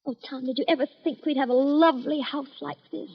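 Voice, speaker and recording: An actress playing an excitable young bride in an old-time radio drama, curious, daring and affectionate. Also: female voice, high voice, quick pace, gravelly, long reverb tail. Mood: wistful. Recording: dull, muffled old radio recording.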